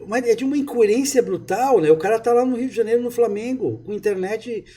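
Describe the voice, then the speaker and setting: A man's voice: very high-pitched, fairly quick, mellow, slightly rough. A man from southern Brazil with a gaúcho accent, talking in a rambling, emphatic way full of restarts during a casual conversation. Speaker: author and interviewee.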